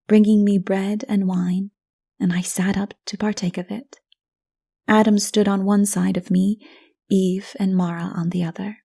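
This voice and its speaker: Female audiobook narrator for dark fantasy: solemn, unhurried, husky and soft-edged. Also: medium pitch. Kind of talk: dramatic scripted literary narration of dark fantasy.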